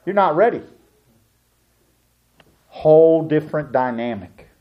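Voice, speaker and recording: A middle-aged man preaching a sermon as a pastor, telling a family story with lively acted-out voices. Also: on the high side, unhurried, lo-fi sound.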